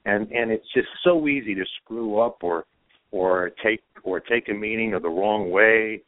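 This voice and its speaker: A man's voice: lowish voice, measured pace, no echo. A man from Croatia giving emphatic dating advice as a guest, often tagging his points with "okay?", heard over a phone-like line. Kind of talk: casual chat advice.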